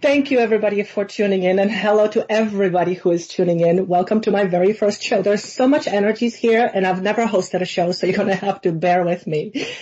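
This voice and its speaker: A woman with a non-native accent talks at a very fast pace, with hardly any pauses and very even loudness. Her pitch variation is ordinary, and noticeable background noise is present. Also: medium pitch for a woman. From Poland. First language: not English. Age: 40s. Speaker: psychic medium and radio host. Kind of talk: radio show monologue. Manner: some hesitation with fillers.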